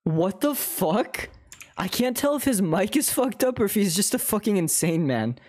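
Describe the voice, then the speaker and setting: A man's voice: sits high, sing-song, normal speed, a little mellow. A young man streaming a game, chatting casually with a friend in a loose, joking, profane way. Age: teens. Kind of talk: casual gaming chat.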